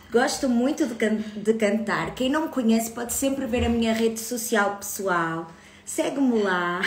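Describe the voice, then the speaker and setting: Greeting viewers in a chatty live stream about her book club, this thirty-something woman speaks with a European Portuguese accent. Her voice sits on the high side, and the room sounds echoey.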